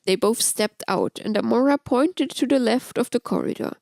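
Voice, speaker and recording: A woman's voice: on the high side, normal speed, vocal fry, a little mellow, dry recording, studio quality. A woman reading scripted fan fiction aloud as an audiobook narrator.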